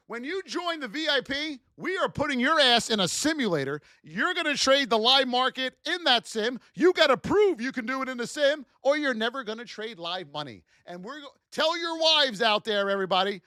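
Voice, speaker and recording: A man coaching a livestream audience with blunt, gruff tough love, in punchy repeated phrases that push and encourage. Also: extremely high pitch, pushed and bright, no echo, clean studio sound. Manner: punchy repeated phrases, addresses listeners as folks. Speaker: trading coach and livestream host. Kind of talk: livestream coaching pep talk.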